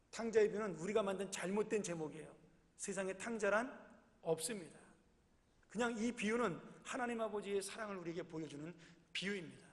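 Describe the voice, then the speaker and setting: A male pastor giving a conversational sermon, asking the congregation frequent rhetorical questions. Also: high-pitched. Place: church sanctuary. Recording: long reverb of a church hall.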